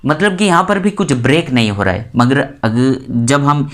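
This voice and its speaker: A woman from India teaching English grammar in Hindi, saying each example word slowly and more than once to stress it. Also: rumbling low. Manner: repeats example words slowly and stresses them. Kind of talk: explanatory lesson in Hindi.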